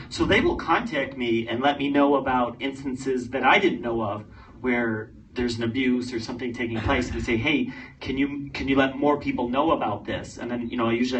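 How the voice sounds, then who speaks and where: A man on a panel speaks in an earnest, measured way. He sits well back from the mic. A faint noise floor shows under his voice. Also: medium pitch, a bit bright, distant mic, rough recording. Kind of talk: panel discussion.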